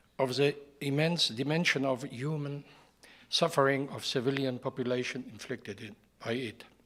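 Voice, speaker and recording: A man with a German accent speaks at a moderate pace and medium pitch, his intonation fairly even, on a very clean recording with a silent background. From Germany. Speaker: historical researcher and architect. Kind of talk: conference talk. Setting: conference hall with audience. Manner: halting.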